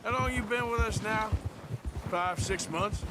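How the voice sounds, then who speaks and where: An actor playing a weary, plain-spoken Western outlaw in a video game, with a folksy, rough-spoken American drawl. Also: male voice, high voice, unhurried, very noisy. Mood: reflective. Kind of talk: video game character dialogue. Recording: loud music behind the voice. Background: loud game music.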